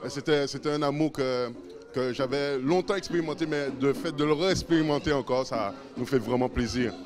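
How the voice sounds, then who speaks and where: A man's voice: medium pitch, brisk. A man interviewed about a church gathering, speaking fervently with repeated phrases and fillers. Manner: fervent, repetitive. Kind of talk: spontaneous testimony.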